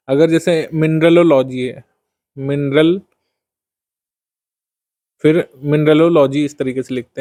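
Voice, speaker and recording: An exam-prep vocabulary class is led by a male teacher whose voice is slightly high-pitched and dark in tone. He reads definitions slowly, then explains them in Hindi with frequent "uh" fillers.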